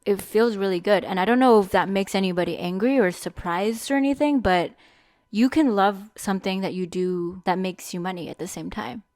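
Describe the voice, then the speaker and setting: A woman's voice: mid-range voice, moderate pace, a little mellow, no echo. Candid young woman, dry close sound. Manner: candid and chatty, thinking aloud. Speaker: podcast host. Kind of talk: solo reflective podcast monologue.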